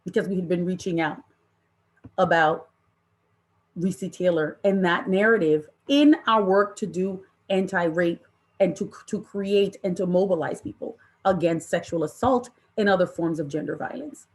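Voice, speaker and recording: A woman presenting an interactive online training session in an impassioned, deliberate way, with emphatic repetition and rhetorical questions. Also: fairly low pitch. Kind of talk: impassioned interactive workshop talk to an online audience.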